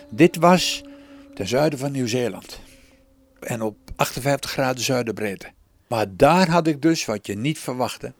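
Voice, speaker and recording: A man in a documentary interview, looking back on long solo voyages at sea. He talks slowly and thoughtfully, pausing and searching for words. His voice sits at an ordinary middle pitch. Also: darkish tone, no echo. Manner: slow, thoughtful, with pauses and hesitations. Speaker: solo sailor.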